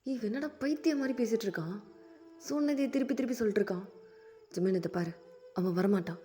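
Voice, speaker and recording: A woman voicing a blunt young man who harshly scolds his lovesick friend in rapid outbursts. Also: medium pitch, dark tone, close to an everyday voice. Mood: mocking.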